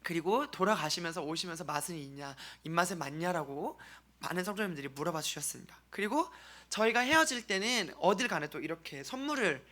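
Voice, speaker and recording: A man from South Korea presenting an earnest mission-trip testimony to a congregation as a church member, speaking haltingly with pauses. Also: sits high, expressive, sharp tone.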